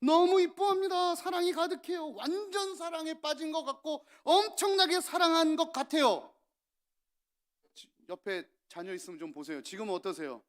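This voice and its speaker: A male pastor preaching a sermon, telling stories with lively acted-out lines of parents and children. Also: extremely high pitch, normal speed. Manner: animated storytelling, acting out parents and children.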